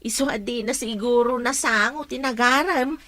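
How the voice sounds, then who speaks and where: A woman's voice: on the high side, moderate pace, fairly bright tone, natural voice. A woman with a Filipino Ilocano accent acting a concerned older household helper in an audio drama. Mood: indignant.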